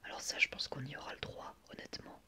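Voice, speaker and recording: Un homme qui anime une vidéo ASMR, au chuchotement doux, avec un phrasé hésitant. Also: male voice, quick pace. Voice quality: soft unvoiced whisper. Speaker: host of an anime ASMR channel. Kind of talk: whispered ASMR commentary.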